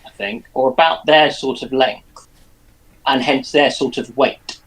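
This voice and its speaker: A man's voice: mid-range voice, fairly even intonation, unhurried, fairly bright tone, slightly rough, rough recording. A man co-hosting a live chat, thinking aloud and joking as he talks.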